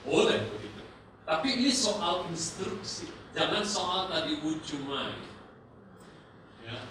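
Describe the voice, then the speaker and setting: A man leading a church parenting seminar, lively, acting out parent and teen exchanges and dropping in English phrases. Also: sits high, slow pace. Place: large church hall. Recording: echoey hall, voice far from mic, noisy.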